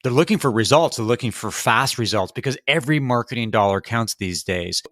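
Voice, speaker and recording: A man hosting a podcast, asking long, smoothly framed questions. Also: medium pitch, a bit bright, dry recording, clean studio sound. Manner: long, fluent framing questions. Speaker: podcast host.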